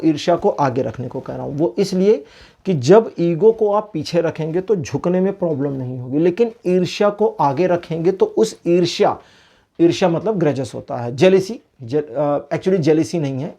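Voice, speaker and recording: Male card reader, slightly high, gravelly voice, casual and explanatory. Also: warm tone. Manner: explains patiently, searches for words. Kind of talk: casual advice talk with card reading.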